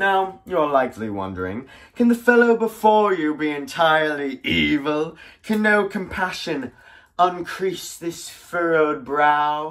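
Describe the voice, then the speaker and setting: Using a put-on character voice, a man speaks fairly slowly in a pompous tone. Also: fairly high pitch for a man. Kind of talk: comic stage overacting. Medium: solo performance. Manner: suddenly menacing threats; pompous, flamboyant, melodramatic.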